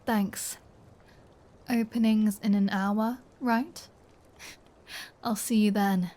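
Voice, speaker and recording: Slow, mellow, flirty vampire woman, acted. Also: medium pitch, fairly even intonation. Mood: smooth, appreciative. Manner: playful, smug, teasing, dropping into breathy whispers. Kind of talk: scripted ASMR audio roleplay.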